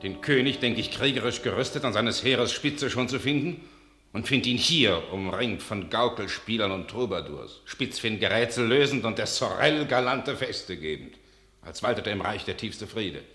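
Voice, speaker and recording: Forceful, low-voiced warrior count. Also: male voice, animated, normal speed, roomy sound. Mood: indignant. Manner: forceful, declamatory. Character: blunt, proud, hot-blooded medieval French warrior count. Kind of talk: classical radio drama acting.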